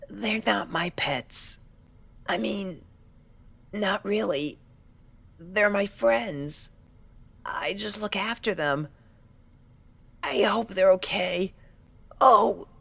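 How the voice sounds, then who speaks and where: Storybook role: shy, unwell girl pony, soft and hesitant, creaky and breathy, forever apologising. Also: medium pitch, full character voice. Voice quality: breathy, husky whisper-prone voice. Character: timid, anxious, sickly young female pony, soft-spoken.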